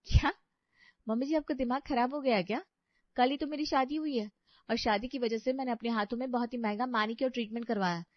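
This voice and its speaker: A woman's voice: on the high side, quick pace, dry recording, natural voice. A woman voicing a spoiled, haughty young bride in a cartoon story who is rude and sarcastic to her mother-in-law. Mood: dismissive. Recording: dry, slightly dull audio.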